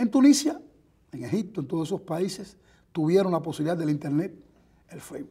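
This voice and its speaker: A high-pitched man with a dark, mellow tone, very wide pitch swings and big swings in loudness, at a fairly quick pace with long, frequent pauses, against a quiet background. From Cuba. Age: 40s. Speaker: Cuban dissident activist; interviewee. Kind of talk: interview testimony. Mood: earnest, serious. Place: studio. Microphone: lapel.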